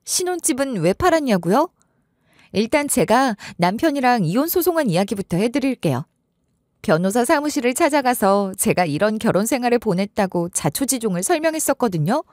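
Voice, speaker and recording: Brief: expressive female storyteller, slightly high voice, first-person narration. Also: a little fast, dry recording, studio quality.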